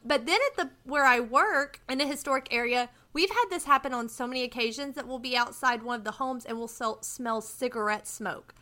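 Texan woman co-host, high and bright, excitable, chatty. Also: a little fast, hardly any pauses. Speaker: podcast co-host. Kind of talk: casual chat.

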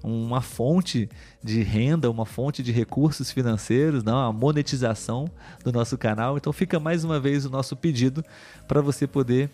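Brief: man, mid-pitched, patient teacher closing a live stream, faint music behind. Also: normal speed, mellow. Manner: patient, teacherly, many "ah" and "né" tags. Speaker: host of a live stream for Portuguese learners. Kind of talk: friendly live-stream wrap-up, reading viewer comments.

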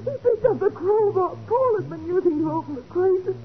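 Fragile, distraught wife: extremely high voice, halting and tremulous, 1940s radio melodrama, tinny old broadcast. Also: female voice, animated. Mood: shaken. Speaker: actress in a radio crime drama. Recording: thin, narrow-band 1940s radio recording.

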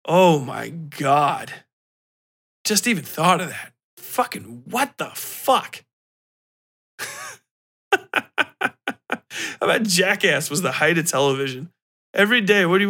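A man in his thirties talking casually as a podcast host, ranting and reminiscing in a profane, slangy, animated way. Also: fairly high pitch. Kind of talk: casual solo rant, reminiscing.

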